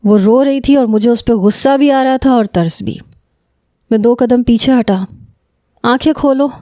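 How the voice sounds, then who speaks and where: A woman narrating a romance story in a steady, even way, with a fairly high but mellow, warm voice. The sound is close and dry, with no echo around it. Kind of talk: scripted first-person romance narration.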